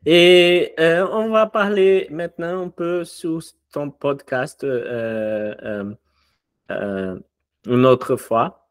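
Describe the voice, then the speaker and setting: A man hosting an interview in a learned language, his first language Brazilian Portuguese, pausing to search for words. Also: a little high, clear, resonant tone, no room sound, clean studio sound. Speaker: podcast host. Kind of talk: casual interview questions.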